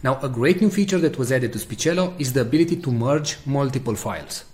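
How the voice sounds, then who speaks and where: A man narrating a step-by-step software tutorial as a voice-over on a screen recording. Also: mid-range voice, expressive, quick pace.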